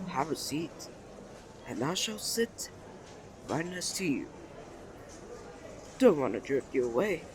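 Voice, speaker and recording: Man voicing flirtatious twin brother, smooth, self-assured, teasing, courtly endearments, romantic audio roleplay, light background noise. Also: a little high. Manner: suave, drawn-out, playfully formal endearments. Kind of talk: romantic ASMR roleplay acting.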